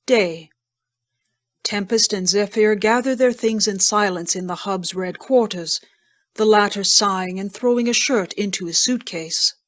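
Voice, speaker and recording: A woman's voice: mid-range voice, a little slow, no echo, clean studio sound. A woman reading scene directions as scripted narration for an audio drama.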